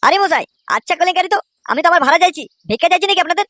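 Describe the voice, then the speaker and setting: A woman voicing a grumbling, quick-tongued rickshaw driver. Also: very high-pitched, lively intonation, a bit bright, dry recording, clean studio sound. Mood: exasperated. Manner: grumbling, cheeky, exasperated. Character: aggrieved, foul-mouthed male rickshaw driver. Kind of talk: comedy cartoon dialogue.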